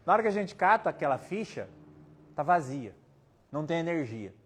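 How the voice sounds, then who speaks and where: A man's voice: fairly high pitch, sing-song, a little fast, a bit bright, breathy edge. A Brazilian man with a Brazilian Portuguese accent giving a casual spiritist talk, telling anecdotes and quoting people with jokes along the way. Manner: chatty, anecdotal, quotes people in his stories, jokes. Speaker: spiritist medium speaker. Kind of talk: casual storytelling talk with audience questions.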